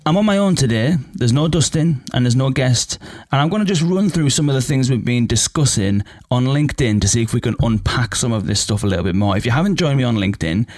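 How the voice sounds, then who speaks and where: Croaky man with a cold, podcasting. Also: mid-range voice, expressive, fast talker, a little mellow, no echo, clean studio sound. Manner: conversational, thinking aloud with fillers and restarts. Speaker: podcast host. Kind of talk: solo podcast monologue.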